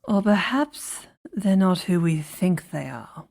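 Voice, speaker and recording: Woman playing a low, mellow, haughty queen. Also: sing-song, takes it slowly, gravelly, full character voice. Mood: doubtful. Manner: regal, dismissive, clipped irony. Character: cool, skeptical, haughty queen. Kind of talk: fantasy audio drama acting.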